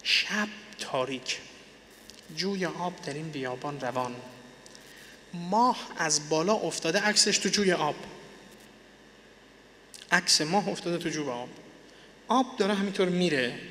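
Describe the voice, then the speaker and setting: A man preaching a religious sermon to an audience, swinging between soft and loud and reciting poetry slowly. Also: high voice, big-room sound, slight background noise. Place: large lecture hall.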